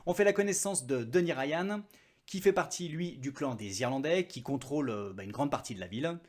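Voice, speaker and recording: A man's voice: medium pitch, lively intonation, a little fast, darkish tone. Chatty French book vlogger, man. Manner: chatty, self-mocking asides. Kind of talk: casual book review vlog.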